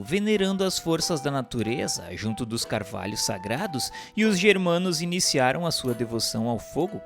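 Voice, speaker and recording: A man with a Brazilian accent reads a scripted narration in a solemn, formal, declamatory way. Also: mid-range voice. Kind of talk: scripted narration, audiobook-like reading of a religious history text. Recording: voice over instrumental guitar music. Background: instrumental music with guitar.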